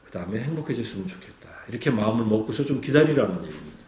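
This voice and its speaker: A man's voice: fairly low pitch, big pitch swings, very fast, darkish tone, a little hiss or hum. A man as a Buddhist meditation teacher giving a dharma talk, explaining patiently and asking listeners rhetorical questions. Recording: roomy echo.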